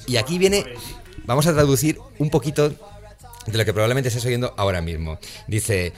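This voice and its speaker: A man's voice: medium pitch, normal speed, faint music behind. A man with a Spain Spanish accent hosting a comedy podcast, sarcastic and often laughing mid-sentence. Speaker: radio podcast host. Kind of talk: mocking comedic commentary.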